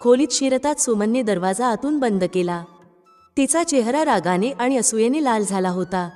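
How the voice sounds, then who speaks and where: A woman reading a scripted family story in an even, steady storytelling voice. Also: fairly high pitch, normal speed. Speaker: narrator. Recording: long reverb with background music.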